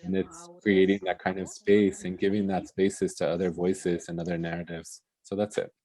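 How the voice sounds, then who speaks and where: Very mellow, low-pitched interpreter in halting phrases. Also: little pitch movement. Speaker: live interpreter. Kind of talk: consecutive English interpreting of a panel discussion.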